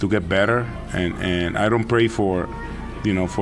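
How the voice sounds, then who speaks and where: With noticeable background noise behind him, a man with a Spanish accent talks fairly quickly in fairly even intonation. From El Salvador. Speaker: sports broadcaster. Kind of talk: interview. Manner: halting.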